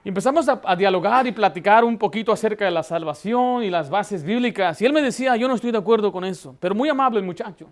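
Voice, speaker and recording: Pastor guy preaching, pretty high voice, gets loud telling stories. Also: quick pace, few pauses. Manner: preaching with anecdotes, voice rising for emphasis. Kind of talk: Baptist sermon.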